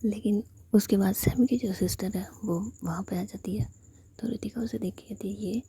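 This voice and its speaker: Whispering woman storyteller, very breathy. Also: mid-range voice, fairly even intonation, moderate pace, no echo. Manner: soft whispering narration.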